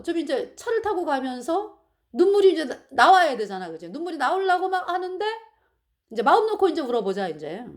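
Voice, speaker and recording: A middle-aged woman telling a personal church testimony with emotion and laughter. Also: high voice. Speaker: church member giving testimony.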